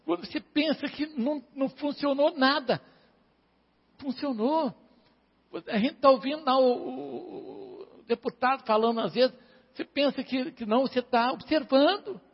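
A man's voice: very high-pitched, animated, moderate pace, creaky, husky. A man preaching an informal sermon to a congregation, chatting and calling on listeners by name. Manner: conversational, calls on listeners by name. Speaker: pastor. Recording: dull, reverberant hall recording.

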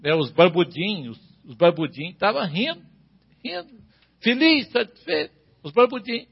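A man's voice: high voice, sing-song, normal speed, creaky, slightly rough, highs cut off. A man preaching a sermon as pastor, asking his listeners the same questions again and again. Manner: preaching with repeated rhetorical questions.

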